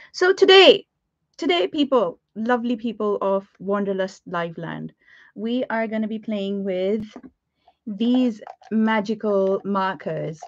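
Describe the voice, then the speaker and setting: A woman's voice: mid-range voice, dry recording. A bubbly woman with a Pakistani English accent hosts a live craft class from her home studio, greeting viewers by name and laughing easily. Her webcam audio is close and dry, with a slightly muffled, dull edge. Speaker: art teacher hosting a live stream. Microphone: webcam at desk.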